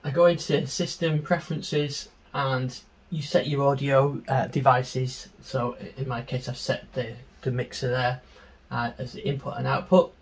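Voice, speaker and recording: A middle-aged man giving an informal, unscripted tutorial on music software, explaining step by step into a handheld microphone in a small home studio. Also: mid-range voice, creaky, slightly rough. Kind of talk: informal screen-share tutorial.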